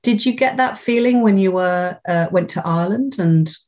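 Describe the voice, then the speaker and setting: Lowish-voiced English woman interviewing. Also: moderate pace, a little mellow. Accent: English, not noticeably Cornish. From Cornwall, England. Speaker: interviewer with drama school training. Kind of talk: conversational interview.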